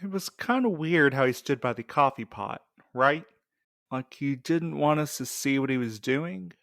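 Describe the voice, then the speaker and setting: A man's voice: a little high, expressive, normal speed, creaky, a bit bright, no echo. A man playing a wary night mail courier in an audio drama, dry and skeptical in manner. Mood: suspicious. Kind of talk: scripted audio drama dialogue.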